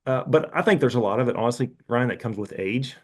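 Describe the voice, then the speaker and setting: A man's voice: mid-range voice, quick pace. A man in his fifties talking frankly and casually as a podcast guest, rambling with restarts and asides. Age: 50s. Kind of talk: casual interview talk.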